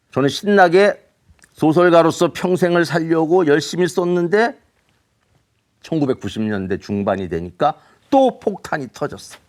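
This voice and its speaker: A middle-aged man speaking as an author to young students, telling a story in an animated way and asking rhetorical questions. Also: fairly low pitch. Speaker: children's author giving a talk. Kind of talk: motivational lecture to students.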